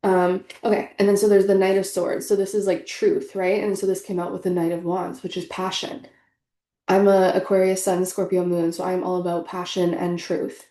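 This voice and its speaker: In a fairly low, dark voice with flat delivery and a moderate pace, a congested young woman chats earnestly through a tarot reading. She leans heavily on fillers in her spiritual talk, recorded in an echoey room.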